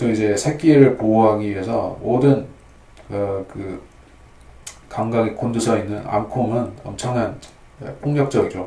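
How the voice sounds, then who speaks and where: Very slow and broken by long, frequent pauses, a man's speech has ordinary pitch variation and audible room echo. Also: medium pitch for a man. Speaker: Bible teacher. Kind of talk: lecture. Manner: halting.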